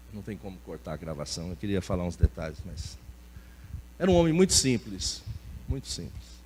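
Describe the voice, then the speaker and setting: A man with a very deep, low pitch and vocal fry speaks at a moderate pace, with long, frequent pauses. His pitch swings very widely. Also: big swings in loudness. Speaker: pastor. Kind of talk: sermon. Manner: animated.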